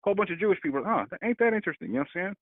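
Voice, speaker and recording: Animated man on a tinny phone line. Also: sits high, rapid-fire, dry recording. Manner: animated, repeats words while building a point. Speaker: podcast co-host. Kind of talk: casual political discussion.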